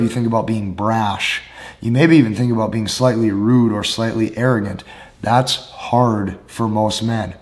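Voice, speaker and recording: A man in his thirties with a hoarse, nearly lost voice, speaking slowly and deliberately as a dating coach addressing the camera indoors. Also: mid-range voice. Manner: slow deliberate delivery with emphatic hand gestures. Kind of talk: direct-to-camera advice talk. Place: indoor studio with lit brick wall.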